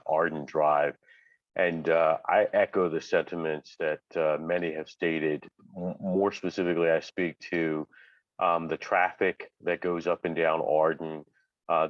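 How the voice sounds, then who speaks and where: Man, very low voice, calling in over video chat; dull, muffled call audio, measured delivery with frequent pauses. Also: no room sound. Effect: heard over a video call. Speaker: resident giving public comment. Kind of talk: public comment at a community meeting.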